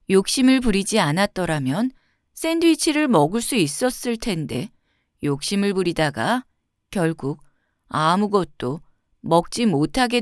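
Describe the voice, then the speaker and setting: Female storyteller, scripted fairy-tale narration, gentle, expressive, lively intonation, clear phrasing, dry recording. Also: mid-range voice, no room sound.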